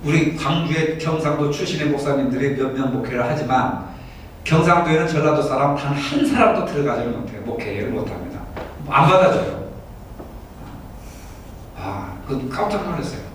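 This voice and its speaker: A pastor from Daejeon teaches a Bible study and keeps asking his small group whether they agree. His voice sits a little high and is picked up from a distance. The room gives a strong echo, with faint noise underneath. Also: normal speed. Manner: asks listeners for agreement often. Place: church room.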